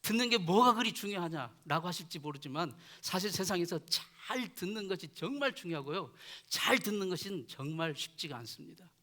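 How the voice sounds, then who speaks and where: A male pastor preaching a sermon in earnest, often letting his voice fall soft at the ends of phrases. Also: high voice, expressive, a little fast, hardly any pauses. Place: church chapel.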